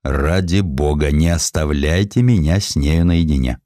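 A man's voice: extremely low pitch, measured pace, warm tone, no room sound, studio quality. A man voicing a callous, cynical imperialist magnate, cold and contemptuous, in an audiobook. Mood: weary pleading. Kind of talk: audiobook character dialogue.

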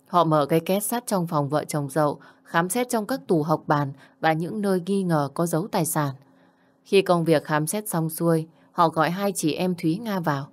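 Female audiobook narrator, low register, even scripted storytelling.

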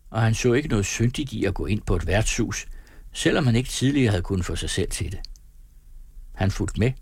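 A man reading an audiobook aloud, with calm, measured storytelling. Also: lowish voice, breathy edge, no room sound, studio quality. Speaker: audiobook narrator. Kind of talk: scripted narration.

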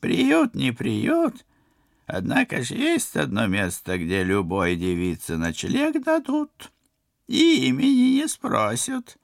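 Sly folksy old granny, man doing it, a bit higher, bouncy, dry sound. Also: wildly swooping pitch, a little slow, vocal fry, dry recording, heavily acted. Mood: conspiratorial. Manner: folksy, wheedling, conspiratorial. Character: old village crone, shrewd and motherly.

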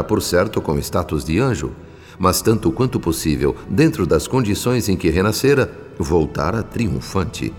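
A man playing a devout spirit narrator in a radio drama, solemn, theatrical and measured. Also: deep voice. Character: devout male spirit narrating his visits in the afterlife. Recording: long reverb, music underneath.

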